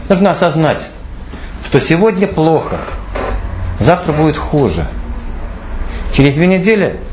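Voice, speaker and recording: A man's voice: sing-song, measured pace, noisy background. A middle-aged man speaking off the cuff at a meeting, emphatic and repetitive, his voice rising when he urges people on. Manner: emphatic, repeats phrases, pitch climbs when urging. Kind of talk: impromptu public speech.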